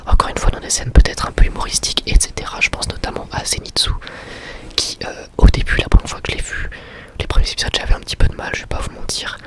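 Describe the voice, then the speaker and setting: A young adult man gives an informal, slangy ASMR review in a breathy, unvoiced whisper. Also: fast. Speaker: ASMR creator and anime reviewer.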